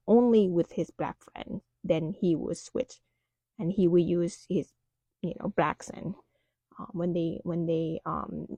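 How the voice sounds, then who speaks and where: Woman from Thailand with a Thai accent, low and gravelly, casual and rambling. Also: darkish tone, no room sound. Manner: talks loosely, with many "um"s and "you know"s. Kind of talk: casual talk to camera.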